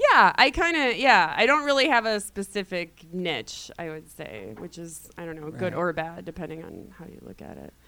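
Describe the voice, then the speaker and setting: A woman talks at a moderate pace with hardly any pauses, her pitch fairly low and swinging very widely. Her loudness rises and falls sharply, and vocal fry shows through. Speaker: comedian. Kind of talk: stand-up. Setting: stage with audience.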